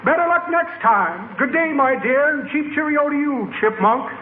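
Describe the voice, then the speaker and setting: A grandiose swindler rambles through flowery nonsense and silly pet names in a very high, reedy voice. The sound is thin and tinny like an old broadcast. A steady hiss sits under it. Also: male voice, normal speed. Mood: pompous. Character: smooth-talking middle-aged con man, pompous, flowery. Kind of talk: 1940s radio comedy acting.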